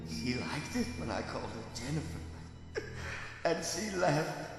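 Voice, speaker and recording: A man's voice: fairly high pitch, sing-song. Haunted, echo-drenched tormented father. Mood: anguished, haunted. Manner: halting, broken phrases, haunted monologue. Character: tormented older father raised as a boy, haunted, obsessive. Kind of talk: dramatic horror game acting. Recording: cavernous echoing reverb, loud music behind.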